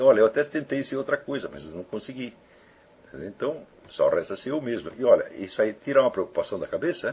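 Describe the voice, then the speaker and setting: Big swings in loudness mark a man talking at a very fast pace. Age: 60s. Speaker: teacher. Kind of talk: lecture. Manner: animated.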